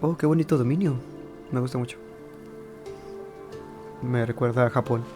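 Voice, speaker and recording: Fast-talking Mexican male gamer. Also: medium pitch. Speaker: gaming video host. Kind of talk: casual gameplay commentary. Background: game music.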